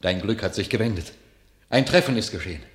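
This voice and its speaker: An actor playing an excited knight bearing great news in a classical verse radio drama, declaiming urgently and emphatically. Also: male voice, on the low side, brisk, echoey room, close to an everyday voice. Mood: jubilant, urgent.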